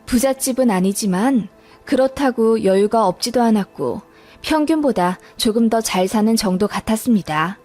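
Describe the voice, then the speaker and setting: A woman reads a scripted life story in the first person. Her voice sits somewhat higher than usual for a female narrator. Soft music plays faintly behind her. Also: animated, normal speed. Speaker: narrator of listener life stories.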